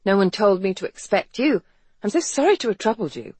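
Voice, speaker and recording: A narrator voicing a sardonic young woman doctor, lifting the pitch and speaking briskly. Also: sing-song, darkish tone, slightly rough, dry recording, exaggerated voice.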